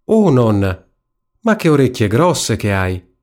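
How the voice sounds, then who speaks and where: A man voicing an innocent little girl in a red hood in a spoken storybook, high and wide-eyed. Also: big pitch swings, slow pace, a little mellow. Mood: frightened.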